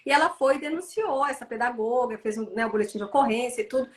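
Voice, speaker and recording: Fast-talking, high-voiced Brazilian woman. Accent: Brazilian Portuguese. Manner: animated, indignant storytelling. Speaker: children's book author. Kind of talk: casual interview over a live stream.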